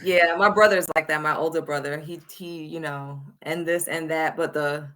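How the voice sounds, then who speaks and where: Bright, frank woman guest. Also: low voice, fairly even intonation, moderate pace. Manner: frank and chatty, laughs easily. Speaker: podcast guest and content creator. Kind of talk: casual chat.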